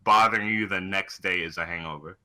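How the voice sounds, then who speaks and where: A man's voice: low-pitched, fairly even intonation, a little fast, pushed and bright. A man co-hosting a casual podcast chat in a laid-back, wry, joking way. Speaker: podcast co-host.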